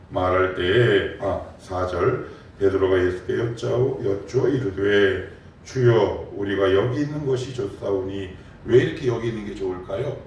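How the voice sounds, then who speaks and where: A middle-aged man preaches a morning sermon, throwing rhetorical questions at the pews and answering them with force. His voice sits at an ordinary pitch and carries a lot of church reverb, picked up from some distance away, with a faint hum of room noise underneath. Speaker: pastor. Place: church sanctuary. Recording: very echoey church recorded from a distance.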